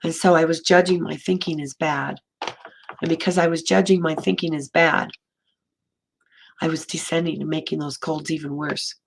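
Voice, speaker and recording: A woman minister giving a gentle, storytelling sermon in a slightly hoarse voice, slowing and softening for emphasis. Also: sits low, steady tone. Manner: gentle storytelling, slows and drops to near whisper for emphasis. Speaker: interim minister. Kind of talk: sermon talk.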